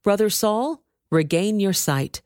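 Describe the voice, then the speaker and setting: A woman's voice: medium pitch, lively intonation, slow, a little mellow, no echo, clean studio sound, pitched above the performer's own voice. A woman reading the words of a devout, godly man urging a new believer on, in a scripture reading.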